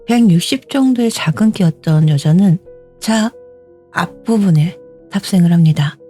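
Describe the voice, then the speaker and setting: A woman's voice: fairly low pitch, normal speed, mellow, faint music behind. A woman in her forties telling a story in a conversational, dramatic way into a studio microphone at home. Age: 40s. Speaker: storyteller host. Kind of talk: told story narration.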